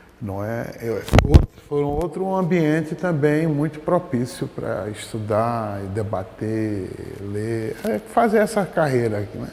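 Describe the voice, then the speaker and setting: At a very slow pace, a man of medium pitch makes very wide pitch swings and big swings in loudness, with noticeable background noise behind him. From Brazil, Pernambuco (Garanhuns). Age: 60s. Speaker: professor. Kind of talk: oral history interview.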